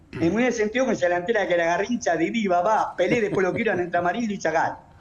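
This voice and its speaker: Amid noticeable background noise, a man with a high pitch talks at a very fast pace in an animated tone, with ordinary pitch variation and very even loudness. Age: 70s. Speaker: economic analyst. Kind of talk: TV panel discussion.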